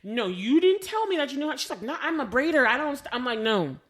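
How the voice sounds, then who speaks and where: An American woman co-hosts a podcast, chatting casually and telling animated personal stories, often acting out conversations as she goes. Her voice is high-pitched, sing-song and a bit bright, and she talks quickly.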